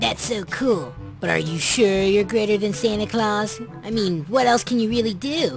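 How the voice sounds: A cartoonish character voice at a fairly high pitch moves at a moderate pace over clear music in the background.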